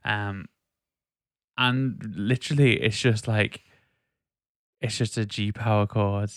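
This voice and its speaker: Taking it slowly with fairly even intonation, a podcast host with a lowish voice chats informally and ramblingly about music, frequently seeking agreement. The sound is dry and of studio quality.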